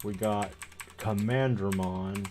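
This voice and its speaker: A man in his thirties chatting casually on a livestream, rambling and joking in an animated way as he tells stories. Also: fairly low pitch, takes it slowly, noisy background. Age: 30s. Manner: rambling, animated, jokey storytelling. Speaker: streamer opening trading card packs.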